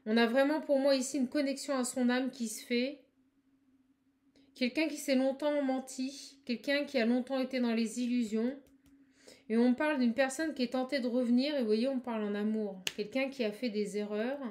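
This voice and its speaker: A woman giving a spiritual card reading to viewers. She talks fast and effusively, with many exclamations, and addresses the listener directly. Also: sits high, fairly even intonation, a little mellow. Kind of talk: live tarot-style channeling reading.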